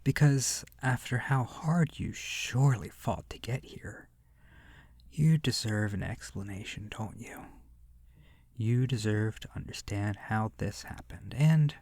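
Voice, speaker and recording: Slow, creaky, seductive vampire played by a man. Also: fairly low pitch, no room sound, clean studio sound. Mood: menacing, hungry. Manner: slow, hushed, lingering pauses, breathy whispering. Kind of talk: ASMR horror roleplay monologue. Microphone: close microphone.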